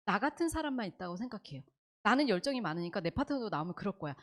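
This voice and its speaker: A woman's voice: mid-range voice, big pitch swings, very fast. A woman speaking at a business seminar, lecturing with rhetorical questions and acted-out bits of quoted dialogue.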